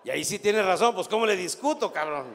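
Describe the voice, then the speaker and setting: Older Mexican comedian, crude and animated. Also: male voice, sits high, quick pace, creaky, slight background noise. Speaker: stand-up comedian. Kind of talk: stand-up routine. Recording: long hall reverb.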